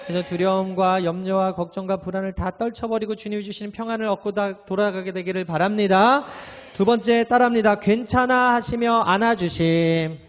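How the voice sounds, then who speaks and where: A male pastor preaching a sermon in a church, moving between soft confiding talk and loud urgent preaching. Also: sits high, big-room sound, highs cut off. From Korea. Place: church sanctuary.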